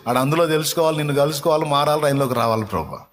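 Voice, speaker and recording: Man preaching in a reverberant hall. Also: a little high. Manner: preaching with emphatic repetition, slowing for stress. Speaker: pastor. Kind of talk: sermon.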